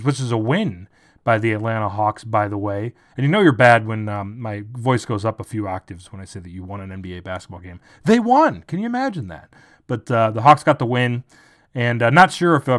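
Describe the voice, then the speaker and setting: A man's voice: mid-range voice, a bit bright. A man hosting a sports podcast, talking casually and sarcastically with lots of fillers and restarts. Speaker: podcast host.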